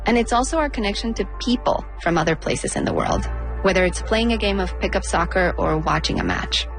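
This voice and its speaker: A woman from the United States reads a scripted personal essay in a reflective, storytelling manner. Her voice sits at a middle pitch, with soft music faintly underneath. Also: sing-song, fairly quick. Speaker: radio feature narrator.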